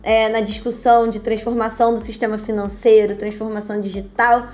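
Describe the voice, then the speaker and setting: A young woman hosting an interview show over a video call, giving a measured introduction of her guest. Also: a little high, flat delivery, darkish tone. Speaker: host. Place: home room with bookshelf.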